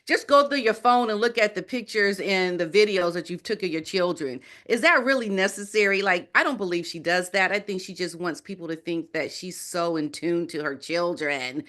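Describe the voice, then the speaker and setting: A woman's voice: fairly low pitch, moderate pace, few pauses, a bit bright. A middle-aged woman who is a guest on a talk show, speaking bluntly and scornfully. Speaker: guest commentator.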